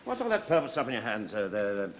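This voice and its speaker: An actor playing a vague, genteel middle-aged sergeant who talks in a polite, hesitant way and trails off. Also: male voice, on the low side, wildly swooping pitch, fast talker, a little hiss or hum. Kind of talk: 1970s TV sitcom acting.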